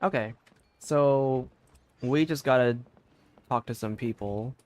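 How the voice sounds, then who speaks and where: A man's voice: mid-range voice, slow, a little mellow. A man giving casual livestream commentary as he plays a game. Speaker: game streamer.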